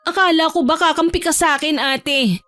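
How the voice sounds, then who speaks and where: A woman's voice: high-pitched, normal speed, sharp tone, no room sound, faint music behind, voice pushed up. A woman voicing a bitter, vengeful young woman in an audio drama, with a whiny, indignant, dramatic delivery. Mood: scornful.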